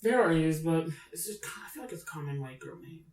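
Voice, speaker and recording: A woman podcast co-host with a slightly low voice chats casually, playful and candid. Her intonation jumps around a lot. She sounds a little away from the microphone in an echoey room. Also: lively intonation, fairly quick, darkish tone, slight background noise. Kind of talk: casual pop-culture chat. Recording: echoey room, distant from mic.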